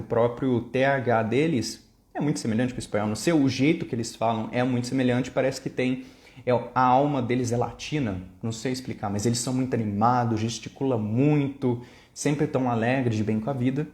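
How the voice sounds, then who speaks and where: A man's voice: mid-range voice, darkish tone. Brazilian male vlogger, Brazilian Portuguese accent, casual and explanatory, echoey room. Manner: chatty, explains step by step with examples. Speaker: language-learning vlogger.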